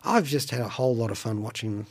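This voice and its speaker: A man presents chatty radio commentary in a medium-pitched voice. His delivery is wry and playful, with deliberate phrasing and little theatrical asides. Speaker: radio show host and reviewer. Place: radio studio.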